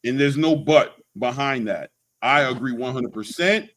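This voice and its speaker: A man's voice: mid-range voice, moderate pace, a bit bright. A man hosting a boxing channel, talking casually and emphatically in slang, often repeating words for emphasis. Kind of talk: animated casual sports talk and opinion.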